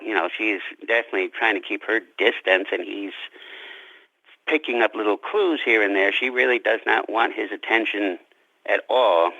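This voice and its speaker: Gravelly low-voiced man, slightly lo-fi. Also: sharp tone, dry recording. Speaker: author, interview guest. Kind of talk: casual interview chat about his own story.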